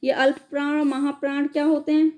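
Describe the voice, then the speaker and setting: A woman's voice: sits high, level tone, a little fast, darkish tone. A woman teacher giving an exam-prep lecture, explaining step by step and answering her own questions.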